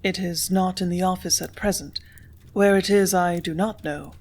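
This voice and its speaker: A woman reading the part of a composed young office clerk who answers quietly, firmly and tartly. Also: lowish voice, fairly even intonation, normal speed, natural voice. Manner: quiet, firm, tart.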